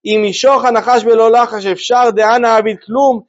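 A man's voice: extremely high pitch, fairly even intonation, lo-fi sound. A man voicing a clever snake in a parable, who answers its questioners by turning their questions back on them. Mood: retorting.

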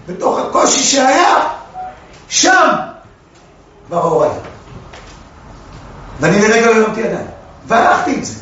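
A man teaching a classroom Torah lesson, animated, asking the class questions and acting out the dialogue. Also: high-pitched, slight background noise. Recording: echoey room, distant mic, dull lo-fi sound.

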